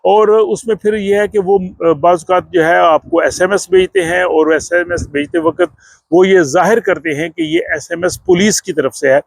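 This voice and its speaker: A man speaks in a somewhat high voice, recorded very dry with no room sound. He presents news to his vlog viewers in an explanatory way, often pausing on fillers as he goes. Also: animated, gravelly, no room sound. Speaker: vlog host.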